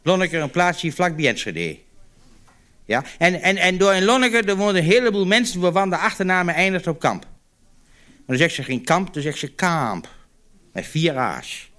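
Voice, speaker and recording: Bright, high-voiced man telling jokes. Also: animated, normal speed. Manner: chatty, stumbles over repeated 'en' while starting stories; switches into character voices for quoted dialogue. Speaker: comedian. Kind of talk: stand-up joke telling.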